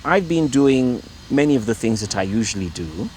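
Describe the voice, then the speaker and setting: A middle-aged Irish Catholic priest, interviewed at home in a relaxed conversation, speaks at a moderate pace with a medium-pitched, darkish, very animated voice. He's hesitant, full of fillers and repeated words, with slight background noise.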